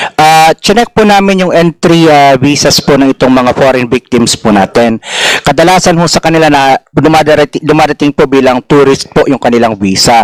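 Against noticeable background noise, a man with a fairly high pitch talks at very even loudness, with ordinary pitch variation and a dry, close sound with no echo. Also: moderate pace. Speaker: anti-trafficking official presenting at hearing. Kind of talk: testimony at congressional hearing. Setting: hearing room. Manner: formal.

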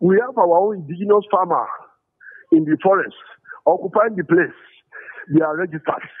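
A man with a high pitch talks at a fairly quick pace, using ordinary pitch variation and leaving long, frequent pauses. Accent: Nigerian. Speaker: government security adviser. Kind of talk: news interview. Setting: remote call. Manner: halting.

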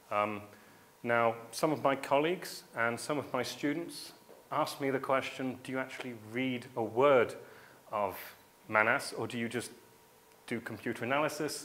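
At a moderate pace, a man talks with fairly even intonation and long, frequent pauses. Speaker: academic lecturer. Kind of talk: academic lecture. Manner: hesitant, many fillers. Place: classroom. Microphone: camera far.

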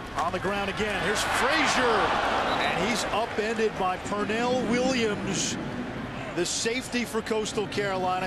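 A man with a high pitch speaks fairly slowly in an excited tone. The sound is dry with no echo, but loud background noise is present. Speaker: play-by-play sports announcer. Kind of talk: live football play-by-play commentary. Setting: stadium broadcast booth. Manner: rising to an excited, breathless shout on the big return; brisk, polished broadcaster delivery.

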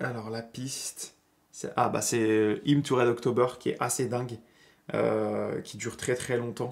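This man talks at a fairly slow pace with fairly even intonation. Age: 30s. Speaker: vinyl collector YouTuber. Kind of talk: casual video monologue. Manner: hesitant, many fillers. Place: home room. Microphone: phone near.

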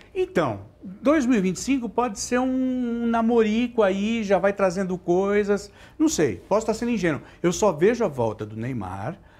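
Speaking at a fairly slow pace with a Brazilian accent, a man uses a high pitch and lively intonation in a very clean recording with a silent background. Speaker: sports TV show host. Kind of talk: casual sports talk show. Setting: TV studio. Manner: animated.

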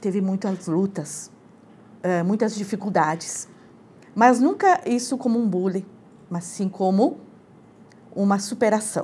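A woman speaks at a fairly slow pace. Her voice is somewhat breathy with a dark, mellow tone. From southern Brazil, Erechim area (Rio Grande do Sul); Rio Grande do Sul, Brazil. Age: 50s. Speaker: retired teacher; interviewee. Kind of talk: life-story interview. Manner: halting, many fillers. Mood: reflective, warm. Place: studio.

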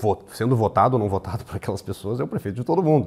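Against a quiet background, a man speaks at a very fast pace with a medium pitch and a somewhat breathy voice. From southern Brazil, Santa Maria (Rio Grande do Sul); Rio Grande do Sul, Brazil. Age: 20s. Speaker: mayoral candidate, lawyer and former state legislator; candidate. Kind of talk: political interview. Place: studio. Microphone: lapel.

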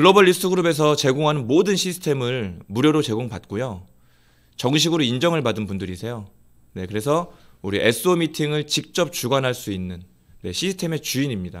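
A man's pitch rises and falls very widely as he talks. He goes at a fairly quick pace over a quiet background. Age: 40s. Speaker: insurance-manager-turned-network marketing lecturer; presenter. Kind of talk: business presentation lecture. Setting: online video broadcast. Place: studio. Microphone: lapel.

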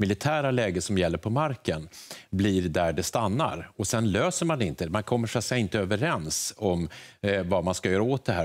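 Over a quiet background, a man speaks at a fairly quick pace with a very deep, low pitch. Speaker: guest, former politician. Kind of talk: interview answer. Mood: serious, critical. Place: studio.

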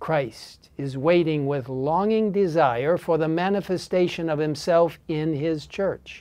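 This man has a high pitch and a dark, mellow tone, speaking at a very slow pace. His pitch variation is ordinary, and the background is quiet. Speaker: church leader preaching. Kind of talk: sermon. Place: studio. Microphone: lapel.

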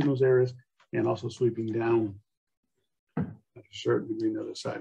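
Somewhat breathy and dark, mellow in tone, a man talks at a very fast pace over light background noise. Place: meeting room. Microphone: video call.

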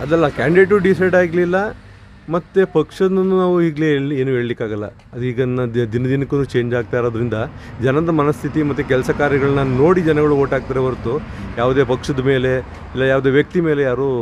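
A man with a fairly high pitch and ordinary pitch variation is heard through noticeable background noise. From Karnataka, Mysuru district. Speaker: villager interviewed on the street. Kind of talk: vox pop interview. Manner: measured, formal.

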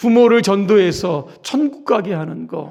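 A man speaking at a very slow pace. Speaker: pastor. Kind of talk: sermon. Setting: church.

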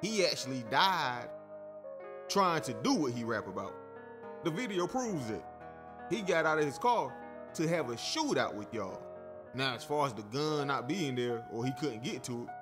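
With clear music in the background, a man talks at a moderate pace with long, frequent pauses. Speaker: commentary channel host. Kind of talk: commentary.

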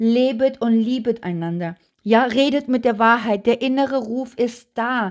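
A woman is speaking. The background is quiet. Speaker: tarot reader. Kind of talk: tarot reading monologue. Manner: animated. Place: home room. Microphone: phone near.

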